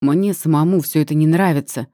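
A woman reading an audiobook, voicing a middle-aged stepfather who tries to calm everyone in a placating way. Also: low-pitched, brisk, no echo, studio quality, natural voice. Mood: soothing. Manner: soothing, placating.

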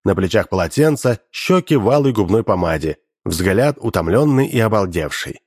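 A man reading a story aloud in a wry, expressive way, close to a studio mic. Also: on the low side, normal speed, slightly rough, no echo. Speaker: audiobook narrator. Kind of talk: expressive scripted story narration.

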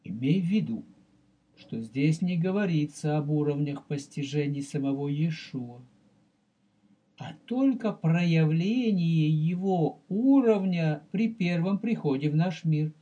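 A man delivering a religious teaching lecture in a slow, measured way, addressing the listener directly and repeating key points. His voice sits a little high for a man but sounds dark and mellow, with a husky, breathy edge. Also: expressive, muffled recording. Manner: explains terms and repeats for emphasis. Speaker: rabbi teaching Kabbalah.

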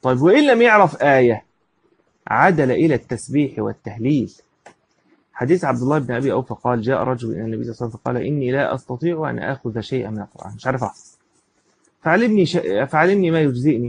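Lecturing on a classical text of Islamic law, an Egyptian-accented man reads a line aloud and then unpacks it in plain, everyday language, frequently raising questions only to answer them. His mid-range voice is gravelly and husky, expressive, and very fast.

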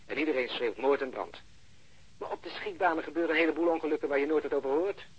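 A man playing a blunt, cynical policeman in a radio drama, talkative and sardonic, with a rough voice over a phone line. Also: on the high side, quick pace. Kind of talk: Dutch radio drama acting. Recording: muffled band-limited phone line.

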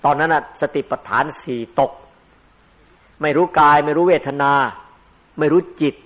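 Older male monk-teacher, sermon delivery, somewhat high voice, conversational with emphatic bursts. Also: steady tone, moderate pace, a bit bright. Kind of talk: dharma sermon.

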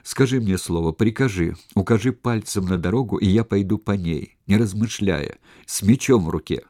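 A vengeful, hot-tempered former convict, acted out by a man narrating a novel spits out clipped, raging demands. The voice sits low and dark, close and dry with no room around it. He sounds ready to grab a sword. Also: normal speed, no room sound, natural voice. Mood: impatient. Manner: shouting, clipped angry outbursts. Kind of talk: audiobook character reading.

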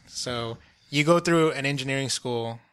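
A man hosts a casual podcast interview, asking questions in an easygoing, joking way. His voice is bright and mid-pitched. He swears freely. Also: normal speed, clean tone. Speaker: podcast host.

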